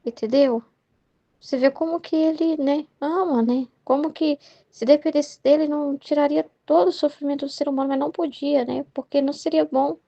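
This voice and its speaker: A woman's voice: high voice, steady tone, normal speed, creaky, mellow, muffled recording. A young Brazilian woman leading a Catholic study, talking in a meandering way and tagging her sentences with "né?" and "entendeu?". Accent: Brazilian Portuguese. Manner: meandering, heavy use of "né?" and "entendeu?" tags. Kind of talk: spoken reflection on a devotional book.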